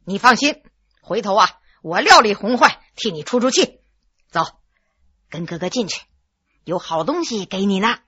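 A woman's voice: medium pitch, expressive, normal speed, long pauses, sharp tone, breathy edge, dull audio, voice pushed down. A woman acting a commanding, shrewd young prince. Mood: coaxing. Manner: authoritative, scolding or coaxing. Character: commanding young prince, stern, hot-tempered yet calculating.

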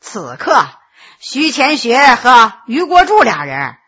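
A woman telling a historical tale in an expressive, theatrical storytelling manner. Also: a little high, takes it slowly, slightly rough. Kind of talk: dramatic storytelling of a historical novel.

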